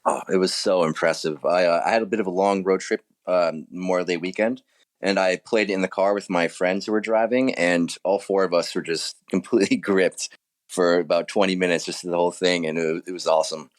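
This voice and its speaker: A man's voice: low-pitched, steady tone, brisk. A man speaking casually as an author being interviewed, keen and reflective about his work.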